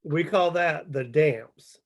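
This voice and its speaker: A man's voice: fairly high pitch, takes it slowly. A man playing a grim, hard-bitten, wary coal miner in a screenplay table read, with a folksy, dour manner. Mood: grim explaining.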